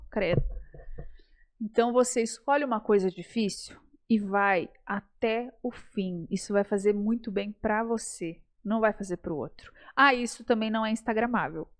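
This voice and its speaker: A Brazilian woman speaking as a guest in a casual podcast interview, animated and playful, often addressing the audience directly. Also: a little high. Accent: Brazilian Portuguese.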